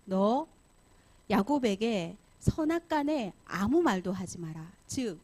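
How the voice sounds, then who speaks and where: A woman voicing God as a stern figure who gives firm, slow commands in a Bible story for children. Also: medium pitch, animated, darkish tone.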